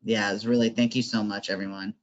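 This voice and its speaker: A man's voice: on the low side, little pitch movement, fairly quick. Man leading a workshop over muffled call audio. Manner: conversational, lots of fillers and tag questions. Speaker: workshop facilitator. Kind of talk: online workshop presentation.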